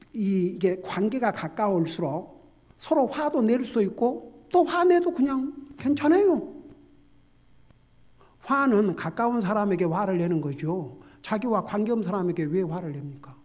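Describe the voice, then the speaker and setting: Husky-voiced male pastor preaching in church, going from whisper-quiet to loud, keeps asking the congregation stuff. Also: sits high, animated, measured pace. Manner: swings from hushed near-whisper to loud exhortation; asks the congregation questions directly. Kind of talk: sermon.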